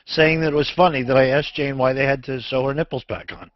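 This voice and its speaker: A man's voice: mid-range voice, quick pace. A man in his forties on a casual group video chat, teasing the others with giggles. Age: 40s. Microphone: video call. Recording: dry, muffled video call audio.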